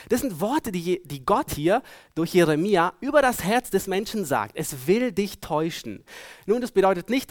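Male preacher, slightly high voice, earnest and searching, swings from loud stress to hushed lines, dry close recording. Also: no echo. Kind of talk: sermon.

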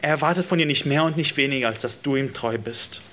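A man's voice: mid-range voice, fast talker, sharp tone, slight background noise. A man preaching a sermon, speaking earnestly and directly to his listeners and building emphasis through repeated phrases.

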